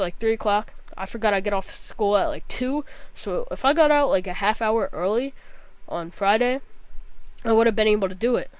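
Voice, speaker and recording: A woman's voice: mid-range voice, clear, resonant tone, no room sound. Nasal, congested young woman, dry close sound. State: sick with a cold, scratchy throat, nasal. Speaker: gaming vlogger. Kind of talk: casual rambling vlog commentary.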